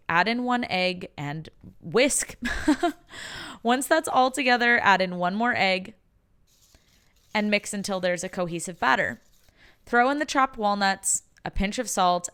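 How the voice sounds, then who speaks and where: A woman's voice: mid-range voice, fairly bright tone. American woman in her 30s, pastry chef walking you through a recipe, chatty and upbeat, says like a lot. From United States. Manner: chatty, upbeat, frequent "like" fillers. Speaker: baker and pastry chef, cooking show host. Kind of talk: casual cooking tutorial. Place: home kitchen.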